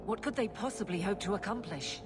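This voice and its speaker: An actress playing a resolute, urgent guard captain in a fantasy game, earnest and commanding. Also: female voice, medium pitch, fairly quick, music in the background, close to an everyday voice. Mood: urgent, stern. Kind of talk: scripted fantasy game dialogue.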